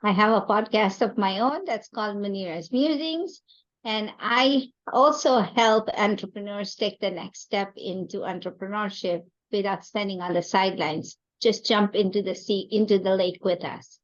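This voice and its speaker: A woman from Kenya speaking as an interview guest, telling of her life in a halting, reflective way with rhetorical check-ins. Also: medium pitch, highs cut off. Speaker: podcast guest, entrepreneur and coach. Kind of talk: conversational interview storytelling.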